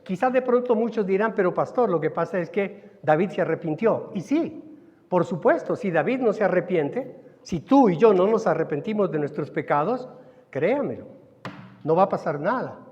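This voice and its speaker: A man with a Colombian Spanish accent preaching a sermon as pastor, stretching some words slowly and then rising in sudden emphasis. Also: sits high, expressive, a little mellow. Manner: preaching with dramatic slowdowns and sudden rises. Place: church hall. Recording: dull recording in a reverberant hall.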